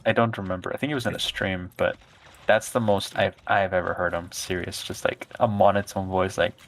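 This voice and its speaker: A teenage boy playing alongside a streamer, his voice on the low side. He talks in a relaxed, rambling way with lots of filler words, and faint noise sits behind him. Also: fairly quick, low-quality recording. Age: teens. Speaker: co-player. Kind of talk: casual chat while playing.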